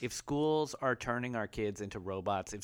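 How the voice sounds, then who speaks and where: With an American accent, a normal speaking voice moves at a moderate pace with ordinary pitch variation on a very clean recording with a silent background. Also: man. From Washington DC. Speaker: podcast host. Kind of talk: casual chat.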